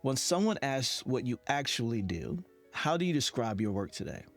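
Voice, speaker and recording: A man's voice: mid-range voice, big pitch swings, moderate pace, faint music behind. A man hosting an interview in a conversational style. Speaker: interview host.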